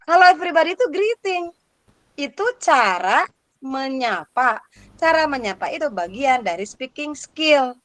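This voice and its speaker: A woman with a high voice, big pitch swings and a slow pace leads an interactive workshop lecture for teacher exam prep. She's playful and constantly questions her audience, and the recording is dry and a bit bright.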